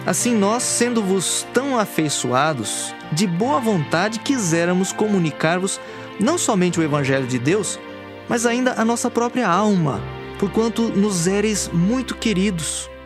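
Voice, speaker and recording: A man's voice: high-pitched, lively intonation, unhurried. A man with a Brazilian accent reading scripture from a script for an audio Bible, in an earnest, declamatory way. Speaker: scripture reader. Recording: music under the voice. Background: background music.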